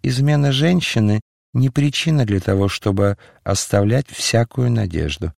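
Sardonic, unflappable eastern mystic, read by a man, a touch gravelly. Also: medium pitch, moderate pace, dry recording, clean studio sound. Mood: calm, knowing. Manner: calm, mocking, detached. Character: mysterious calm eastern man, sardonic, speaks in riddles.

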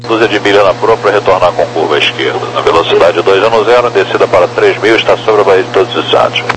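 A man's voice: low-pitched, fast talker. A Brazilian man working as an air traffic controller, giving procedural instructions over a two-way radio.

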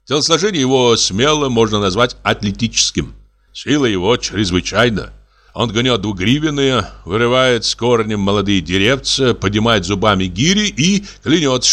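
A man reads a classic tale aloud with theatrical flair. His pitch sits in the middle but swings widely and freely as he leans into the storytelling. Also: fairly bright tone. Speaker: audiobook reader. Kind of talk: expressive literary reading.

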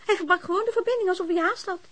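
A woman's voice: very high-pitched, very fast, a bit bright. An actress playing a flirtatious, vain, chatty woman telephone operator in a radio drama, coquettish and teasing. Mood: chatty, matter-of-fact.

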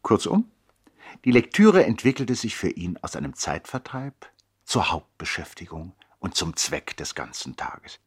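A man acting as narrator in a literary radio play, reflecting in a measured, articulate way on his brother's life. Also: low-pitched, husky, heavily acted. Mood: reflective. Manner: measured, articulate, expressive storyteller.

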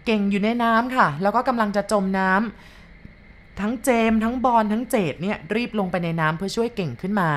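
A woman's voice: medium pitch, fairly quick. A woman narrating a ghost story to her listeners in a polite, storytelling manner.

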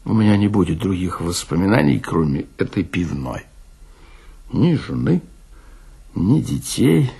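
A man voicing a slovenly, ageing count who drinks in a tavern, impassive, indifferent and unhurried, in a dramatic literary reading. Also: low voice, big pitch swings, creaky, mellow, slightly rough, full character voice. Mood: indifferent, world-weary.

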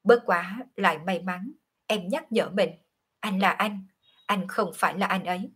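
A woman voicing a calm young woman who confides in her lover, in an audiobook reading. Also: medium pitch, a little slow, husky. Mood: confiding.

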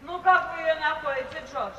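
A woman's voice: high-pitched, moderate pace, a bit bright. An actress playing a domineering, vulgar middle-aged mother in a radio play, with brusque familiarity. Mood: teasing. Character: loud, bossy, vulgar mother of about forty-five. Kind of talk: 1950s Soviet radio theatre acting. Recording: old noisy radio recording, distant and echoey.

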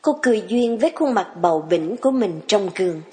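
A woman narrating a dramatic story reading, measured and smooth. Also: medium pitch, lively intonation, warm tone. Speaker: story reader.

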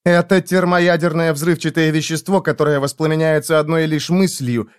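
A man putting on a defiant idealist woman, raised pitch, dry close sound. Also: steady tone, normal speed, clear, resonant tone, dry recording, lightly acted.

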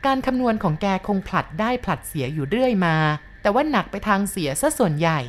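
ผู้หญิงอ่านเรื่องเล่าบุรุษที่หนึ่ง เล่าเรียบๆ สม่ำเสมอ. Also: female voice, medium pitch, animated, fast talker. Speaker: storyteller. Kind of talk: reading a first-person story aloud.

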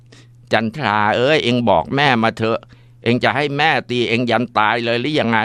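A man's voice: mid-range voice, pushed and bright, clean tone, dry recording, clean studio sound. A shaking, bitter mother, as a man puts her on. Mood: pleading, tearful. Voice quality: trembling, bitter. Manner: slow scolding then pleading. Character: furious grief-stricken older mother.

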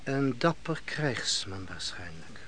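An actor playing a guarded, dignified tribesman in a radio play, speaking in a measured, careful way. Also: medium pitch, very animated, fairly bright tone, heavily acted. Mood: solemn, guarded. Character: guarded, dignified tribesman and husband, quietly defiant.

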